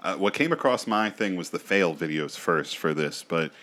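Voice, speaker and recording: A man with a very deep, low voice co-hosts a casual podcast. He tells stories crudely and with animation, swearing freely. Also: lively intonation, moderate pace, a bit bright. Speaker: podcast co-host.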